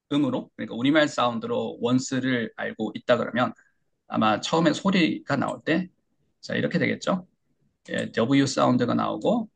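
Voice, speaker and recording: Husky, gravelly man teaching pronunciation. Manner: explains step by step, models English words with exaggerated pitch; frequent hesitation fillers. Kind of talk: online lecture.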